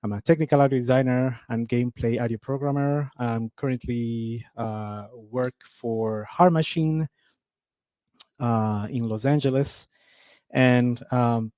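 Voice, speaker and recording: A man's voice: medium pitch, dark tone, no room sound. A man from Ecuador giving a conference talk on game audio, speaking with many fillers and restarts.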